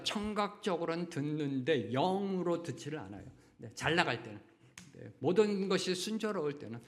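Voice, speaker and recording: Middle-aged male pastor mid-sermon, somewhat high-pitched, talks the congregation through with questions and quick acted-out quotes. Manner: frequent affirming "네" fillers, rhetorical questions to the congregation; acts out brief quoted voices, at times shouting.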